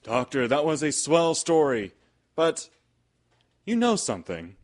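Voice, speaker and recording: A man's voice: a little high, big pitch swings, measured pace. A man announcing in old-time radio style, with folksy scripted banter and sponsor salesmanship.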